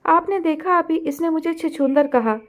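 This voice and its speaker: A woman's voice: extremely high pitch, normal speed, pitched above the performer's own voice. A woman doing a hot-headed teenage boy. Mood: indignant. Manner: complaining, challenging.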